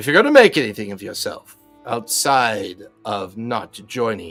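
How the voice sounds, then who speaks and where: At a moderate pace, a gravelly put-on character voice speaks over faint background music. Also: man. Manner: condescending, paternal, lecturing.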